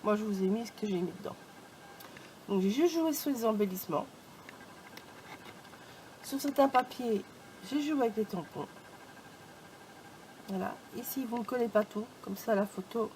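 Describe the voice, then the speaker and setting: A woman's voice: medium pitch, normal speed, pauses often, a little mellow, a little hiss or hum, poor audio. A woman giving a casual craft tutorial for her channel, chatty and informal, stringing her steps together with "donc" and "voilà". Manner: chatty, peppered with "donc" and "hop". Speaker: craft YouTuber.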